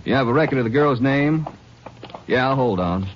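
A man playing a brisk, informal lawman who works a case with his partner. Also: medium pitch, lively intonation, a little hiss or hum, close to an everyday voice. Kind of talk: 1950s radio acting. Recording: dull old radio broadcast.

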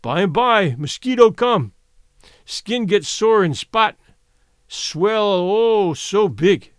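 A man's voice: high voice, animated, clear, resonant tone, dry recording, clean studio sound. A man doing a fierce young woman in broken English. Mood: slow, blunt. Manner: broken halting English, blunt.

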